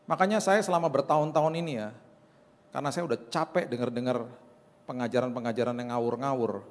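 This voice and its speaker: A male pastor preaching a sermon in a church hall, animated and colloquial, acting out quoted dialogue as he goes. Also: mid-range voice, fast talker.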